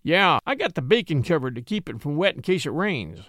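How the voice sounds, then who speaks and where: A man's voice: a little high, big pitch swings, a little fast, a bit bright, no room sound, studio quality. A man voicing a flustered country wagon driver in an audiobook, laconic, folksy and hesitant. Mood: evasive.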